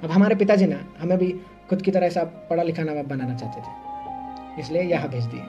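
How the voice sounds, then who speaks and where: A man's voice: fairly high pitch, normal speed, lo-fi sound, music in the background, close to an everyday voice. A young man, playing a shy, earnest engineering student from a village in a scripted monologue. He talks hesitantly, with many fillers and wry self-mockery. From Uttar Pradesh, India. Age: young adult.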